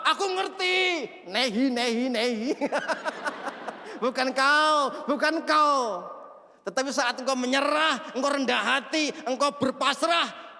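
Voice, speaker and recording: A male pastor preaching an animated sermon full of stories, acting out shouted prayers and laughing at himself. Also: very high-pitched. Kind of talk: sermon with storytelling. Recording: long reverb of a large hall.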